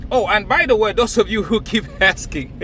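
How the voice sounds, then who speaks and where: A man's voice: high voice, lively intonation, moderate pace, pushed and bright, a little hiss or hum. A man from Cameroon, raised in Nigeria, talking emphatically to camera and laughing between phrases. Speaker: crypto vlogger. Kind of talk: casual hype monologue to camera.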